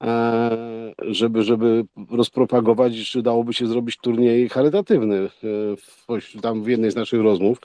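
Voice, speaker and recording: A man with a soft-edged, mellow voice at an average pitch. He speaks informally and haltingly, circling back and repeating words as he rambles. The sound is very dry. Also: fairly even intonation, no room sound. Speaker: poker event co-organizer, guest speaker. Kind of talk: informal spoken remarks.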